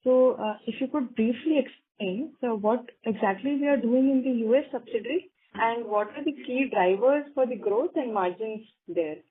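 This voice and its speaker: A woman's voice: on the high side, normal speed, few pauses. A woman analyst asking questions on an earnings call over a phone line. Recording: muffled narrow phone line.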